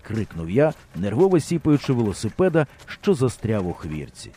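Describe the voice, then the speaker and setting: Guy narrating an audiobook, warm darkish voice, tells it expressively. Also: fairly low pitch, normal speed, slight background noise. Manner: lively storyteller's delivery.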